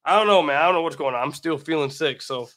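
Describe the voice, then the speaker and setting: American guy doing solo sports podcast, sharp forceful voice, kinda high, sounds sick and losing it a bit, emphatic. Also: fast talker. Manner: emphatic, repeats phrases for emphasis. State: sick, losing his voice, slightly raggedy. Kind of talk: solo basketball commentary with sponsor read.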